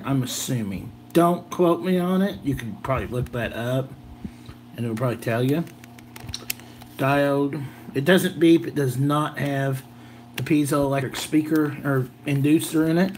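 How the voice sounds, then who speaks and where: A man's voice: fairly high pitch, a little mellow, slight background noise. A slightly tired American man rambling casually through a homemade vlog in a folksy, jokey way. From southern Illinois, United States. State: a little tired. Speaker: gadget video host.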